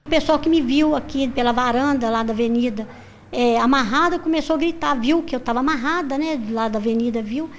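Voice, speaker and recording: A woman's voice: sits high, a little fast. A woman with a Brazilian accent, a robbery victim telling a news interviewer what happened, agitated and full of fillers. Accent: Brazilian Portuguese. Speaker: crime victim, shop owner.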